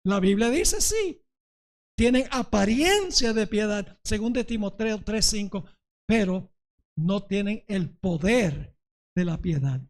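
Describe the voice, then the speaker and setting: A male pastor preaches a sermon in a high-pitched, expressive, darkish voice, speaking slowly. He dramatically retells a parable and keeps asking the congregation whether they understand.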